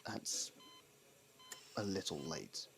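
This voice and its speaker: Man acting a low, gravelly, exasperated criminal. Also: lively intonation, fairly bright tone, slight background noise, full character voice. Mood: grudging concern. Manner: exasperated, scolding, halting pauses, swearing. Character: gruff, sarcastic criminal partner, secretly worried. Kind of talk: ASMR roleplay acting.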